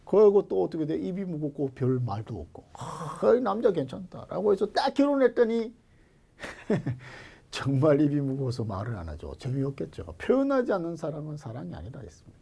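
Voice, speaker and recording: Male lecturer, husky gravelly voice, dark tone, wildly varied pitch, loud calls and whispered asides. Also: normal speed. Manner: animated, jokey, switches between loud calls and whispered asides. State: strained throat. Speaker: Korean language exam lecturer. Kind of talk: online exam-prep lecture.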